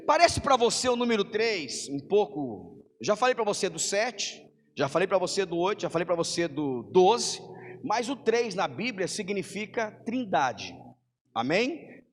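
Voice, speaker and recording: A Brazilian pastor preaches with a fairly high voice, addressing his congregation as brothers and piling up long strings of phrases. His voice carries a long reverb from the church hall around him. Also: big pitch swings, slight background noise. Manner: stacks long rapid lists for emphasis. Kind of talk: sermon.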